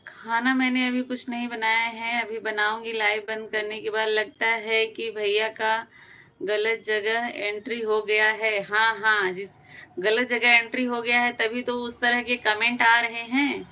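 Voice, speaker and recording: A woman's voice: a little high, level tone, a little slow, sharp tone. A woman from Uttar Pradesh hosting a live stream, chatting casually, greeting viewers by name and answering their comments. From Uttar Pradesh, India.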